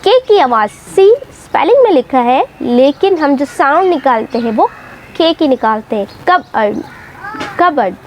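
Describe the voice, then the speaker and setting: A young woman from Pakistan with a bright, high voice teaches English pronunciation. She talks to her students with patience, going back over each word slowly to demonstrate it. A faint hum of room noise sits under her voice. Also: expressive. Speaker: English teacher and channel host. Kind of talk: explanatory lesson to students.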